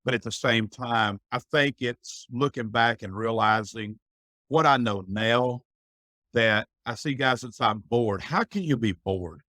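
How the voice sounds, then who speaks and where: A man's voice: mid-range voice, measured pace, pushed and bright, dry recording. A middle-aged man speaking as a podcast guest, giving earnest, folksy advice in a reflective conversation. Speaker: guest, business owner.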